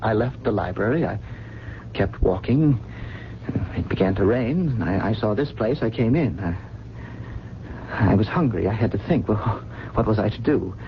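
A fairly low male voice through a dull, faintly hissy radio recording. an anxious, well-spoken stranger with no memory, hesitant and courteous, stumbling back over his words in a radio drama. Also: animated. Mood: anxious, confused. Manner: halting, repeats words, polite educated phrasing. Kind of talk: 1970s radio drama acting.

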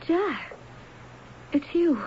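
An actress playing a dazed, frightened wife in an old-time radio drama, hesitant and stammering. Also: female voice, extremely high pitch, lively intonation, extremely slow, exaggerated voice. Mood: shocked. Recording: dull, noisy old radio broadcast.

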